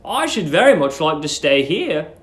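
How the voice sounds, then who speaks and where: A young English gentleman acted by a man speaks in a high, lively voice, courteous and hesitant, prone to stammer. He is a storybook character, heard in an echoing room. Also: moderate pace. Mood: nervously polite.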